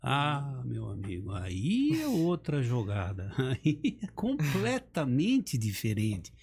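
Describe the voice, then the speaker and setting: Middle-aged male speaking coach, emphatic and animated, lively pitch, slightly husky tone. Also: takes it slowly. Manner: animated, emphatic, acts out examples. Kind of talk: casual podcast chat.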